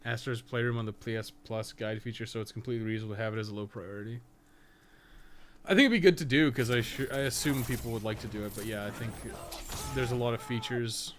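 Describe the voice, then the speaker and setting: A man's voice: medium pitch, fast talker. A man giving casual livestream commentary on a game, rambling and thinking aloud with blunt opinions and swearing. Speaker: game streamer and guide maker. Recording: clearly noisy background.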